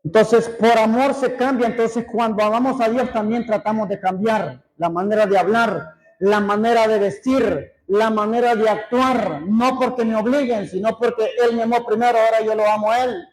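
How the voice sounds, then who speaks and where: A pastor with a strikingly high voice delivers a sermon. He reads scripture at a measured pace, then turns to the congregation with plain, conversational asides. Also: fairly even intonation, poor audio.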